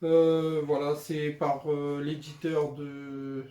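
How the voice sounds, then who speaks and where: Showing off the manga he bought, this young vlogger talks slowly in a mellow, fairly high voice that barely rises or falls. His casual, unscripted chatter is full of hesitant "euh" and "voilà" fillers, and the room around him echoes.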